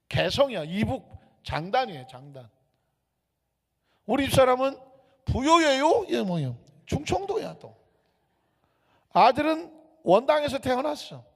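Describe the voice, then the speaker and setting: A male pastor preaching a sermon, animated and joking, slipping into regional dialects now and then. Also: sits high. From Gyeonggi Province, raised in Seoul. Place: church sanctuary. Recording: echoey church hall.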